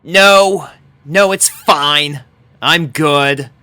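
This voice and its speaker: A man voicing a cocky, dramatic, competitive tomboy schoolgirl with a forceful delivery in a story reading. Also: on the high side, drawn-out words, clear, resonant tone, voice pushed up, heavily acted. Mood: annoyed.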